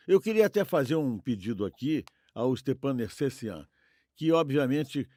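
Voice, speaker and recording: A man's voice: mid-range voice, very animated, normal speed, warm tone, no room sound. Brazilian guy, mid-range voice, very dry sound, polite and wordy co-host talk. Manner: courteous, wordy. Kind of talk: informal hosting, audience appeal.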